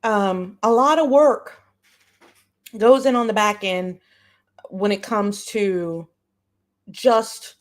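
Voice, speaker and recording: A woman hosting a live stream in casual reaction chat, informal and slangy, often saying y'all. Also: fairly high pitch. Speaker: live-stream host and commentator.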